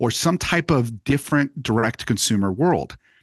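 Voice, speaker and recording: A man's normal speaking voice at medium pitch and moderate pace, with a dry, close sound with no echo and a quiet background. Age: 30s. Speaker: mortgage broker. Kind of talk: casual chat.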